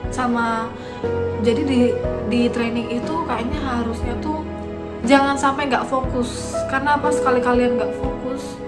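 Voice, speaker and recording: High-voiced woman, Javanese accent. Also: normal speed. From Yogyakarta, Indonesia. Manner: relaxed, laughs easily, chatty. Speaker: guest. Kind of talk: casual chat. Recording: echoey room with music behind.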